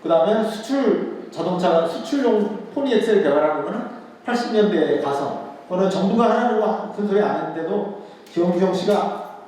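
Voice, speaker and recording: Male lecturer, higher pitch, chatty style that repeats key points, recorded from afar in a reverberant hall with faint noise. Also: lively intonation, normal speed, darkish tone. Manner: conversational, asks rhetorical questions and repeats key words. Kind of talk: history lecture to an audience. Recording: echoey hall, voice picked up from a distance.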